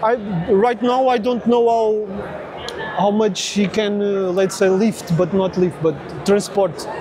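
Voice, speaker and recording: Over noticeable background noise, a man speaks at a very slow pace in a high pitch with ordinary pitch variation, the sound dry with no echo. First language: Portuguese. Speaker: drone company representative. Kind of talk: trade show interview. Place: hall. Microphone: phone near.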